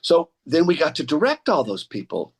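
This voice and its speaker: A man in his sixties with a husky, slightly raised voice tells stories in a relaxed interview. He is animated and slips into impressions of the people he quotes, as an actor and voice coach would. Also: a little high, moderate pace. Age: 60s. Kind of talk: casual interview storytelling.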